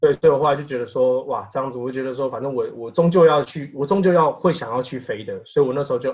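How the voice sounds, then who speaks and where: Breathing somewhat breathily, a man rushes at a very fast pace with hardly any pauses. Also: fairly high pitch for a man, ordinary pitch variation, big swings in loudness. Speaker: flight instructor. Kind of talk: casual chat.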